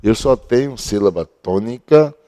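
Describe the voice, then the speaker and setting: A male teacher with a deep, mellow voice. He walks through a grammar rule step by step at a board, asking questions and then answering them himself. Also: animated, unhurried. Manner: explains step by step, asks and answers his own questions. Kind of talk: recorded grammar lesson. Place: at a board he writes on and erases.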